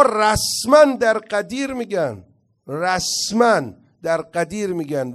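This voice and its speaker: A man giving an impassioned religious lecture as a cleric, reciting Arabic quotations slowly and swinging between loud declaiming and quiet asides. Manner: impassioned, rising to loud declaiming then dropping low.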